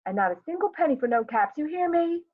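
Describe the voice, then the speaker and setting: A woman's voice: high voice, very animated, quick pace, narrow, tinny audio, pitched above the performer's own voice. A woman voicing a tired, stern but loving young mother, with dry, clipped commands. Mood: scolding.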